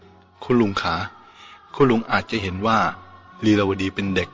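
Man reading a stubborn young woman, insistent, bright low voice, lo-fi. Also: fairly even intonation, normal speed, close to an everyday voice. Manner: insistent, pleading. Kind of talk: audiobook character voice. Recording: dull lo-fi with faint music.

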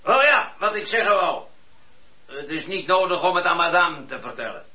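A coarse, ageing colonel in a radio drama, barking orders in a hard, very sharp voice pitched high. He is curt, domineering and impatient, and the recording is somewhat dull. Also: animated, normal speed, exaggerated voice. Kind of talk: radio play acting.

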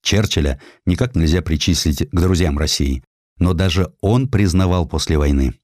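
A man reading a scripted historical narrative in an expressive, emphatic storytelling manner. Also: low voice, moderate pace, dry recording, clean studio sound. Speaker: audiobook narrator.

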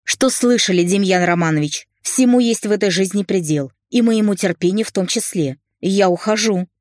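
A woman's voice: mid-range voice, moderate pace, darkish tone, dry recording, studio quality, pitched above the performer's own voice, close to an everyday voice. A woman reading an audiobook, voicing an indignant sixty-year-old nanny who exclaims in exasperation. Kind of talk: audiobook narration.

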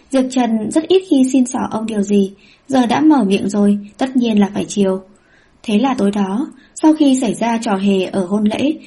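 A woman narrating a web novel audiobook in a lively storytelling manner. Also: a little high, slightly rough.

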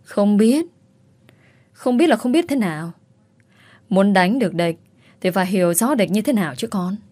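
A woman's voice: mid-range voice, lively intonation, moderate pace, dark tone, no room sound, lightly acted. A woman voicing a scheming, bossy middle-aged mother in a spoken story. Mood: probing. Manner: fussing, wailing, bossy. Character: scheming wealthy middle-aged mother pushing her daughter.

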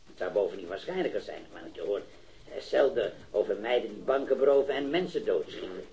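A stammering witness in his thirties trips over his words in a dark-toned, low-ish, expressive voice, captured in dull, old lo-fi sound with slight background noise. He's a hesitant, eager metal worker in his early thirties who saw a robbery, acting in a 1970s radio drama. Halting and repetitive, he comes across unsure and rambling.

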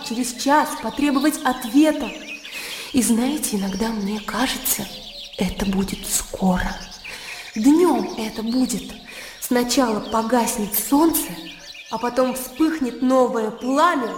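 A woman's voice: on the high side, noisy background. A dreamy, devout young woman. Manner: earnest, pensive, lightly playful. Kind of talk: radio drama acting. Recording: roomy studio reverb with background sound.

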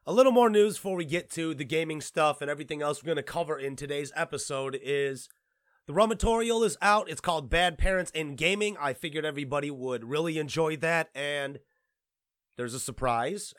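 A man hosting a podcast, talking in a casual, rambling and excitable way, tripping over his words and swearing now and then. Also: on the high side, a little fast, no echo, studio quality. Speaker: podcast host and producer.

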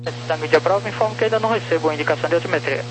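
A man's voice: on the high side, racing. A Brazilian man working as an air traffic controller, giving clipped procedural instructions over crackly, military-sounding radio. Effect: aviation radio transmission. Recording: crackly radio with loud hum and static.

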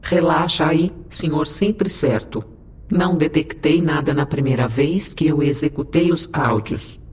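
A woman voicing a calm, dryly teasing female AI first officer in an audio drama. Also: low voice, measured pace. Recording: roomy echo with faint hiss.

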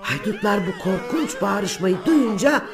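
Animated woman storyteller over music. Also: mid-range voice, a little slow. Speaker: storyteller, narrator. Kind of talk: scripted fairy-tale narration for children. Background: prominent music.

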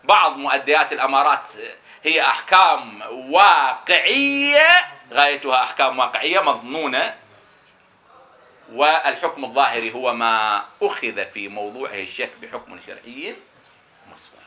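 A man's voice: mid-range voice, lively intonation, bright, forceful tone. A man teaching a seminary lecture on jurisprudence, explaining emphatically and answering his own questions. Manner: repeats key terms slowly for emphasis.

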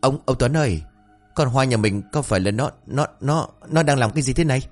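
A man's voice: on the low side, lively intonation, quick pace, soft background music, natural voice. A man voicing a frantic middle-aged village mother who scolds her son and stammers in alarm. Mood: panicked.

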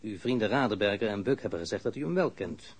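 An actor playing a composed, authoritative police investigator in a radio drama, speaking formally and insistently. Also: male voice, on the low side, expressive, fast, husky. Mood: controlled, stern. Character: stern, composed male police investigator, probing and dryly authoritative. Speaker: police interrogator. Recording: noisy archived radio drama recording.

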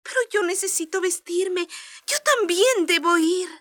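A woman voicing a gentle, humble young girl with a wistful temper on a children's storybook record. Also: very high voice, a little slow, voice pushed up. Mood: wistful, dejected.

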